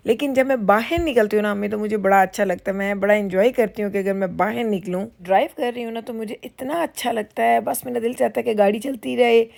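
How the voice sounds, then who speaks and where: Rambly vlogger lady, middle-aged, from pakistan, bit of fry in her voice, laughs easy. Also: on the high side, fast talker, hardly any pauses, a little mellow. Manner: chatty, rambling, laughs easily. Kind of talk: casual vlog chat. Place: car while driving, then dealership lounge.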